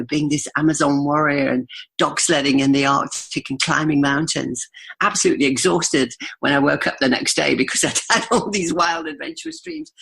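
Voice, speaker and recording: Gravelly-voiced Yorkshire woman in her fifties. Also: deep voice, fairly bright tone. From Yorkshire, England. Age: 50s. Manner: chatty, laughs often, storytelling. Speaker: guest. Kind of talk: podcast interview.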